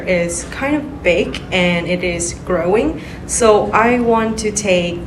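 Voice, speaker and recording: A young woman from Vietnam answers interview questions earnestly, counting out her reasons one by one. Her pitch is middle-range. The room echoes and noise is clearly audible behind her. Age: young adult. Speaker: exchange student.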